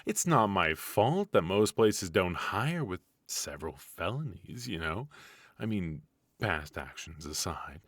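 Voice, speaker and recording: Casting: male actor as retired supervillain husband for comedy ASMR, very low, slow drawl, teasing and theatrical. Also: sing-song, a bit bright, no echo, full character voice. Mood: wry, self-justifying. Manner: theatrical, drawling, mock-sinister.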